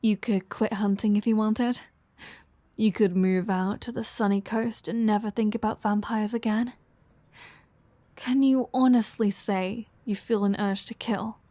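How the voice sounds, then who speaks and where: Slow-talking, teasing vampire woman, acted by a woman. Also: medium pitch, little pitch movement, mellow, no room sound, lightly acted. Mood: challenging, wry. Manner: teasing, sardonic, foul-mouthed. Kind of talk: intimate roleplay audio drama.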